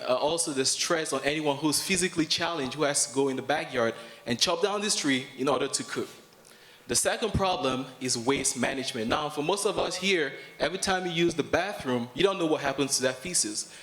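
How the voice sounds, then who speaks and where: A man with a Cameroonian accent delivering a prepared business pitch to an audience, with emphatic, repeated phrasing. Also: a bit bright. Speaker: student entrepreneur pitching a business.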